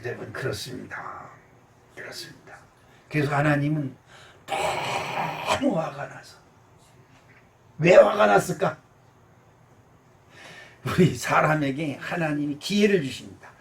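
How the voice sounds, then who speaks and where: A male pastor giving a sermon, animated, swinging from shouts down to quiet murmurs. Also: a little high, slow, vocal fry, pauses often, recorded from a distance.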